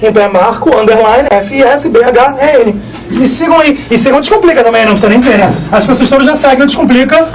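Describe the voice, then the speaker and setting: Fast-talking physics teacher. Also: male voice, very high-pitched, a little hiss or hum, poor audio. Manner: energetic, repetitive, joking. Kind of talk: live exam-prep lesson.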